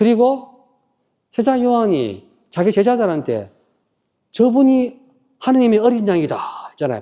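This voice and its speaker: A man's high-pitched voice, dark and mellow in tone, at a moderate pace with lively intonation. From Daegu, South Korea. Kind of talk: lecture. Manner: animated.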